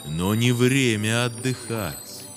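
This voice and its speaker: A man voicing a solemn magical guide in a children's cartoon, reciting rhymed riddles in a measured way. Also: mid-range voice, expressive. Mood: solemn, instructive. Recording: music behind the voice.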